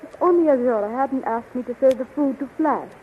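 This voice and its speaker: Tinny old radio, actress as plaintive young princess. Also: female voice, sits high, a little fast, natural voice. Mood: downcast. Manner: plaintive, melodramatic. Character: downcast, anxious young captive princess in love. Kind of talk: 1930s radio serial acting. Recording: scratchy, tinny 1930s radio recording.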